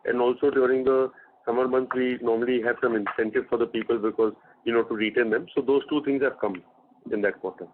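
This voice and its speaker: Male company executive, Indian accent, mid-range voice, measured and halting answers over a narrowband call. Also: mid-range voice, fairly even intonation, a little hiss or hum. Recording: narrowband phone conference line.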